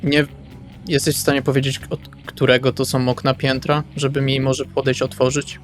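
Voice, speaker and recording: A man's voice: mid-range voice, level tone, moderate pace. A man taking part in a tabletop roleplaying game with casual, in-character planning talk. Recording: background music with guitar. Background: guitar music.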